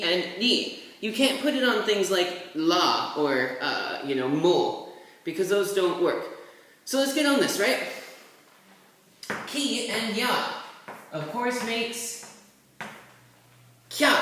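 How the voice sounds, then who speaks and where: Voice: medium pitch, bright, forceful tone, recorded from a distance. A person giving a laid-back, rambling tutorial while writing characters, with offhand asides. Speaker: language tutor. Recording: very echoey room, voice set back from the mic, faint hiss.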